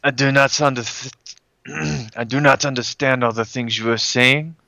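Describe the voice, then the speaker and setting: A man voicing a solemn nonhuman swamp creature in a tabletop game, speaking formally and haltingly without contractions. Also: medium pitch, steady tone, vocal fry, sharp tone, no echo. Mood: solemn, hesitant. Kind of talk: tabletop roleplay in character.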